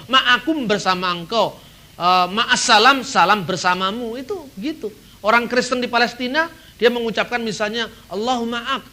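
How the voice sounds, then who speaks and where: A middle-aged man from Indonesia giving an animated seminar talk, acting out dialogues and chuckling now and then. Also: high-pitched. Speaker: seminar speaker.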